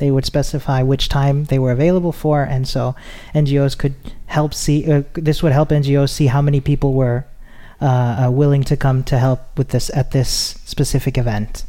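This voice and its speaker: A man speaks at a moderate pace in a fairly high pitch with a dark, mellow tone. His intonation is monotone and flat, and his loudness stays very even. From Chile, then Vienna from age 11. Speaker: software developer and coding tutor. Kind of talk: casual interview chat.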